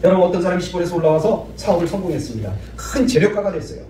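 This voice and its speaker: A man's voice: sits high, expressive, very fast, dark tone. A male pastor preaching a sermon in a church sanctuary, telling folksy stories and acting out the dialogue, with phrases repeated for emphasis. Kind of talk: sermon with storytelling. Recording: echoey hall from far off, faint noise.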